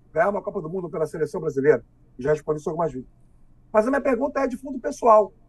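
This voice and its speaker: Over a quiet background, a man speaks in a high pitch. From Brazil. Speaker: sports journalist; sports journalist guest. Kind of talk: interview. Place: home room. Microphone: earbuds.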